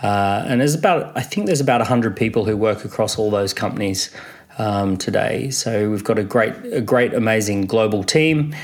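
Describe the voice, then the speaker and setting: A man on the low side of the range. He is an entrepreneur guest giving relaxed, conversational answers in an interview. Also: moderate pace. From Australia.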